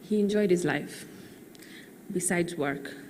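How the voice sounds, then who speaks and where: A woman reading a measured, earnest eulogy for her late father. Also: on the low side, a little mellow, long reverb tail, a little hiss or hum. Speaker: daughter giving a eulogy. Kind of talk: read eulogy.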